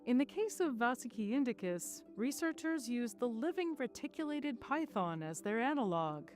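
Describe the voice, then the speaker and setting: High-pitched, lively woman narrating science. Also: moderate pace, soft background music. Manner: clear, explanatory. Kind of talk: scripted educational narration.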